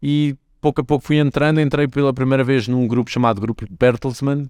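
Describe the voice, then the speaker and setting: In a European Portuguese accent, a man talks at a fairly quick pace, and the sound is dry and close with no echo. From Portugal. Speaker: streaming industry executive. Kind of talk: podcast interview.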